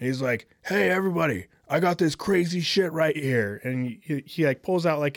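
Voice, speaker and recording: A man at a fairly slow pace. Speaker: podcast host and truck driver. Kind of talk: casual chat. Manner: rambling, profane.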